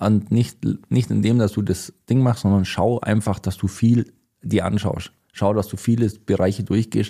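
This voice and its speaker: A man's fairly low voice, with a dark, mellow tone and fairly even intonation. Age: 40s. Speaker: craftsman, vocational teacher and athlete. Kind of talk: interview. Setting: studio.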